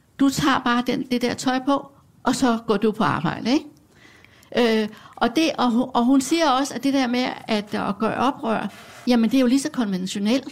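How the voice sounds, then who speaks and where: Her pitch high, a woman talks at a moderate pace with ordinary pitch variation. She pauses long and often. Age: 70s. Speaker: gender researcher. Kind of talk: casual interview. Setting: at her home.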